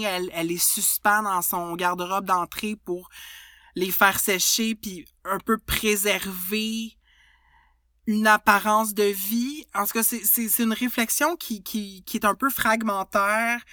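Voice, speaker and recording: A woman's voice: medium pitch, bright, forceful tone, dry recording, studio quality. A woman with a Quebec French accent co-hosting a podcast, talking thoughtfully with many hesitations and restarts. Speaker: podcast co-host. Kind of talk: reflective casual chat.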